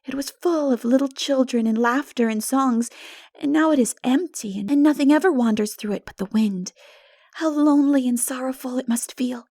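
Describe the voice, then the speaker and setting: Woman as a dreamy, high-voiced imaginative girl. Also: normal speed, dry recording, clean studio sound. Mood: dreamy, wistful. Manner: earnest, lilting, expressive. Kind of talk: dramatic audiobook character reading.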